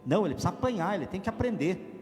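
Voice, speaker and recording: A man's voice: a little high, sing-song, brisk, a little mellow, in a large hall, faint music behind, pitched above the performer's own voice. A man voicing an angry, stern father in a sermon story, speaking in a harsh, raised, insistent way. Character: angry stern father scolding his family.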